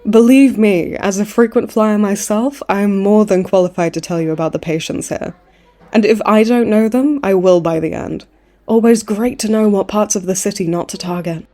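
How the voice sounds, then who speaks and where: A cocky supervillain woman, acted by a woman for a comedy audio roleplay. Her voice is mellow and mid-pitched. She talks in a breezy, chummy, teasing way, entirely pleased with herself. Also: normal speed, lightly acted. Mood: breezy, boastful. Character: cocky, cheeky supervillain woman, a chummy hospital frequent flyer.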